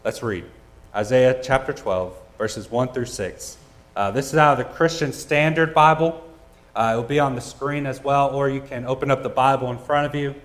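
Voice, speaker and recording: A man's voice: mid-range voice, steady tone, normal speed. A man preaching a sermon, telling a personal story in a casual, joking way with frequent "uh" fillers, at a church service. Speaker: pastor.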